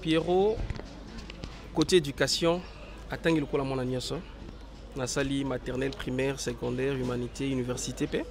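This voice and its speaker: Hoarse young man, hesitant interview talk. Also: mid-range voice, fairly even intonation, moderate pace, pauses often, slight background noise. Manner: hesitant, many fillers and restarts. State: hoarse from a cold. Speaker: interview guest, actor. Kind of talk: casual interview, mixing French and Lingala.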